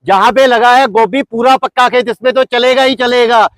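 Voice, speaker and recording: A man's voice: very high voice, steady tone, moderate pace, a bit bright, no room sound. A man giving an emphatic, boastful hard-sell product demonstration outdoors. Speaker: maker and seller demonstrating a farm machine. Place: outdoors in a farm field.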